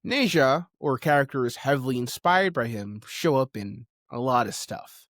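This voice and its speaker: A man hosting a video essay, speaking in a conversational, emphatic way with dramatic pauses. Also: medium pitch, expressive, fairly bright tone, dry recording, clean studio sound. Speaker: podcast host and video essayist.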